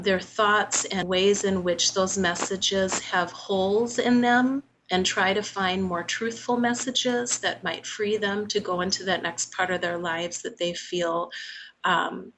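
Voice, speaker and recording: A woman therapist answering a caller's question in a thoughtful, gentle way with many pauses. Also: medium pitch, low-quality recording. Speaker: guest, therapist. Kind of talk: reflective interview answer.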